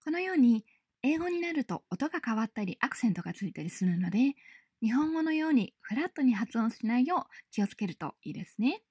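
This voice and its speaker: Clear, patient woman teaching pronunciation. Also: fairly high pitch, animated, a little mellow, no echo, clean studio sound. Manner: clear, patient, demonstrates sounds slowly; switches between Japanese and English. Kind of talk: scripted lesson preview.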